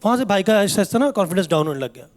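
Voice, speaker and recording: A young man performing a stand-up comedy set, telling family stories and acting out his relatives in an animated way. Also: high voice, rapid-fire. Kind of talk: stand-up routine. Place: comedy stage before a live audience.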